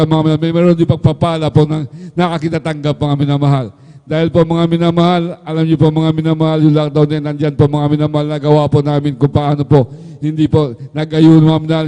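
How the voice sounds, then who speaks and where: A man's voice: a little high, dark tone, smooth, in a large hall. A middle-aged man giving a fervent testimony at an overnight prayer service, often addressing the congregation. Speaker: church member giving testimony.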